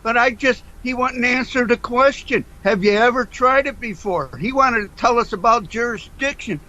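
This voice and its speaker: A man talking loudly and bluntly in casual, argumentative chat over an internet call, away from the microphone. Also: very high voice, moderate pace, muffled recording. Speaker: phone-in guest. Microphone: computer microphone some way off on an internet call.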